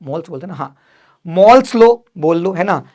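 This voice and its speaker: A man's voice: sits high, animated, moderate pace, a little mellow. Male physics teacher, revision lecture, casual and direct, answers his own questions. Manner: asks students questions then answers them; calls students "beta", casual and direct.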